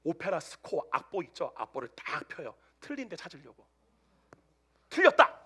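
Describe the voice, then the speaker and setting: A male pastor preaching a Sunday sermon to a congregation, telling a story with animated swings between loud outbursts and hushed asides. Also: on the high side, a little fast, husky. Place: church service with a congregation answering amen.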